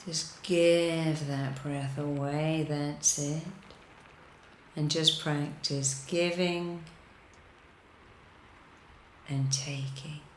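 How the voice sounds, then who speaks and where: A woman leading a guided meditation in a soothing, deliberate manner, repeating gentle instructions with pauses. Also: sits low, fairly even intonation, roomy sound, noisy background. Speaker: guided meditation leader, hypnotherapist.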